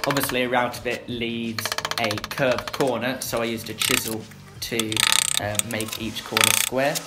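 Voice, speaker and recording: Young man, flat easygoing workshop narration. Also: medium pitch, a little slow, very noisy. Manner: plain, easygoing, frequent "uh" fillers. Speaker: woodworking channel host. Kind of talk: voice-over narration of a workshop build. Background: background music.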